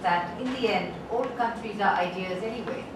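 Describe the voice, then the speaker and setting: In a room with audible echo and noticeable background noise, a woman speaks at a moderate pace with a fairly high pitch and ordinary pitch variation. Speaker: development advisor chairing a session. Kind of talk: moderated discussion. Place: hall.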